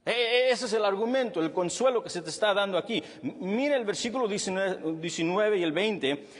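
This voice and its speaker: A male pastor preaching a sermon with a husky voice, animated and then dropping low and quiet to stress a point. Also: brisk. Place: church hall with long reverb. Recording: reverberant church hall.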